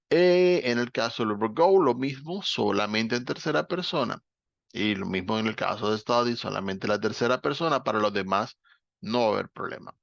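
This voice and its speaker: A man's voice: medium pitch, vocal fry, fairly bright tone, no echo. A man teaching an English grammar class, explaining patiently and checking in with his students. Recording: dull, dry lo-fi recording.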